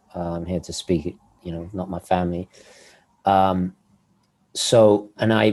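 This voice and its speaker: With a British accent, a man speaks at a moderate pace in a very deep, low pitch, his dark, mellow tone held in monotone, flat intonation. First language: Italian. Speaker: watch YouTuber. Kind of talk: casual podcast interview.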